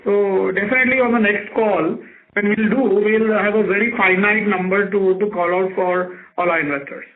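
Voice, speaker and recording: A man's voice: high-pitched, steady tone, normal speed, background noise. A man with an Indian accent answering investors as a company executive, speaking off the cuff and conversationally on an earnings call. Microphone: phone conference call. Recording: narrow, tinny phone line.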